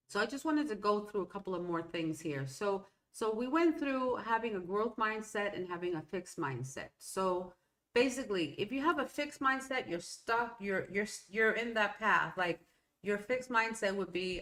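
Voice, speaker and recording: A woman's voice: mid-range voice, a bit bright. Woman host, middle-aged, Spanish-speaking background, conversational, tangents, keeps asking "okay?". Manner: rambling, conversational, self-interrupting with "okay?" and "right?". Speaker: podcast host. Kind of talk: solo motivational talk.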